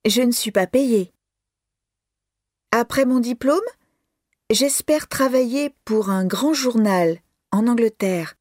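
A woman in her twenties voicing a young student who hopes to be a journalist, reading a scripted monologue slowly and carefully. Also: a little high, no echo, studio quality. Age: 20s. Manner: slow, careful, even delivery. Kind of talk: scripted listening-exam monologue.

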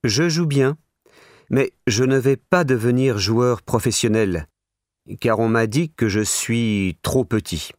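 A man voicing a young rugby fan who wants to coach, in a slow, plain scripted monologue. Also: medium pitch, no echo, clean studio sound, lightly acted. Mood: earnest. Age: young adult. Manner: slow, plain, careful delivery. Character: young male rugby fan, earnest and keen. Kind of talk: scripted listening-exam monologue.

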